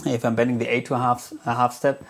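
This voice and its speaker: A man giving a casual tutorial as a guitar gear demonstrator, speaking in a halting way with many filled pauses. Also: medium pitch, little pitch movement, a little hiss or hum.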